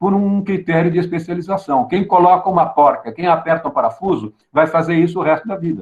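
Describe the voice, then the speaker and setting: A man speaks at a high pitch. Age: old. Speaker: professor. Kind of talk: lecture. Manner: hesitant with fillers.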